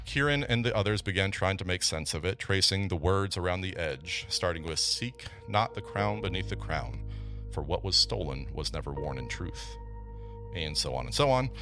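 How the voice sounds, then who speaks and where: A man's voice: low-pitched, a bit bright. A man hosting a tabletop game podcast as game master, chatting casually and recapping the story, with frequent stumbles and laughs. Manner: chatty, stumbling over words, laughs often.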